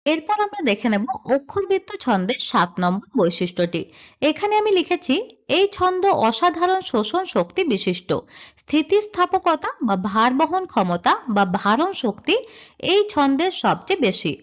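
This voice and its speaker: High lively-voiced woman teaching a lesson. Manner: explains step by step, asks and answers her own questions. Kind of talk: slide-based grammar lesson. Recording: dull lo-fi sound.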